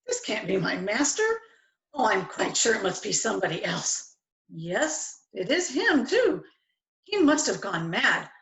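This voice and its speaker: Woman as high, flustered Bob Cratchit. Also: a bit bright, heavily acted. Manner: deferential, flustered. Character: Bob Cratchit, deferential, easily astonished male clerk. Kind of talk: amateur dramatic reading of a stage play. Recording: very echoey room.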